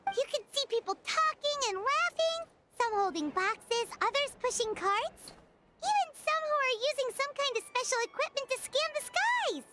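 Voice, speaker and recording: A woman's voice: extremely high pitch, big pitch swings, normal speed, background noise. A woman voicing a bubbly little fairy girl companion in a game, chirpy and calling herself by name. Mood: amazed. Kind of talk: game voice acting. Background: game music.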